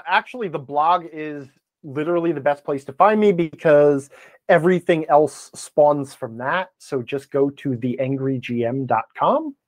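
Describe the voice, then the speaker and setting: An American man chatting casually as a podcast guest, rambling and self-deprecating, with an animated, ranting way of talking. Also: medium pitch, dry recording. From Wisconsin, United States. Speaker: podcast guest, blogger and game designer. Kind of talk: casual interview chat.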